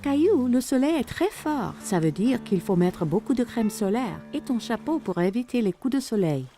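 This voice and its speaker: A caring cartoon mum, fairly high yet soft-toned. She speaks gently and reassuringly with lively, melodic intonation over light music. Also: normal speed. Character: caring, gentle young mother of a small boy. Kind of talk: children's cartoon dialogue.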